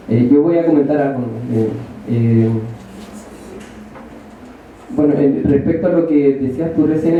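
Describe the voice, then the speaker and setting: A man's voice: medium pitch, slight background noise. Hesitant Chilean man in an echoey hall. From northern Chile. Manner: hesitant, many fillers and restarts. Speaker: audience member commenting. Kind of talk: unscripted comment at a panel Q&A. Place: large lecture hall. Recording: distant, echoey hall, thin phone-like sound.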